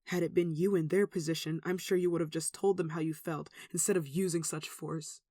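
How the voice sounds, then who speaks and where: A performer playing a devout, tender human devoted to a demon in an ASMR roleplay, speaking softly and earnestly with emotion. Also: mid-range voice, fairly even intonation, a little fast, no room sound, clean studio sound, close to an everyday voice. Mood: tender, admiring. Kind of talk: ASMR roleplay, one-sided dramatic dialogue.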